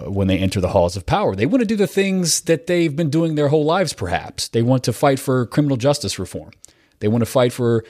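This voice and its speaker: A man's voice: mid-range voice, a little mellow, no echo, clean studio sound. A man hosting a podcast with a casual, rambling manner, his voice stuffed up and nasal from a cold. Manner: rambling, chatty, with fillers and self-corrections. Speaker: podcast host. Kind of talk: casual podcast intro monologue.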